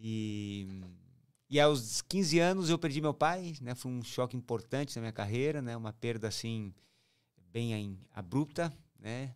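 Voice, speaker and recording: Over a quiet background, a man speaks at a fairly slow pace with lively intonation. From southern Brazil (Paraná), born in Uruguay. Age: 40s. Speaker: football agent and former pro player; podcast guest, football coach. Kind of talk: interview. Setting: studio. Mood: calm, reflective. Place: studio. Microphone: studio mic.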